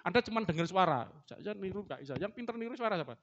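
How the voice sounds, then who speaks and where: A man's voice: high-pitched, lively intonation, racing, fairly bright tone, highs cut off. A middle-aged man preaching a sermon in a church, joking with the congregation and imitating animal sounds. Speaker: pastor. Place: church hall.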